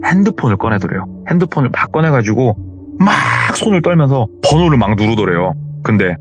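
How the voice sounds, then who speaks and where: A man's voice: mid-range voice, sing-song, brisk, darkish tone, lo-fi sound, soft background music. A man animatedly retelling a scary true story in a dramatic way.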